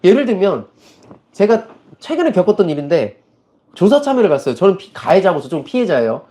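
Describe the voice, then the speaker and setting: A fast-talking man with a high, mellow voice that rises and falls a lot. He chats casually on a live stream, acting out the people in his stories. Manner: animated storyteller, recounting cases with quoted dialogue. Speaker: lawyer and channel host.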